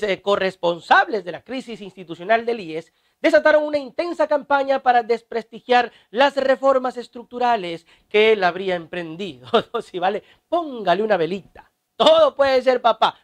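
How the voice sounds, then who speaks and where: Mocking satirical news host. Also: male voice, extremely high pitch, animated, moderate pace. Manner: mocking, slangy.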